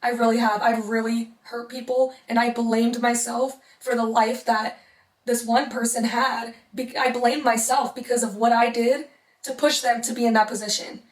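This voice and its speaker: A woman's voice: fairly high pitch, little pitch movement, moderate pace, echoey room, distant mic. A young woman vlogger who is losing her voice, talking earnestly to her viewers and repeating points for emphasis. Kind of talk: casual motivational talk to camera.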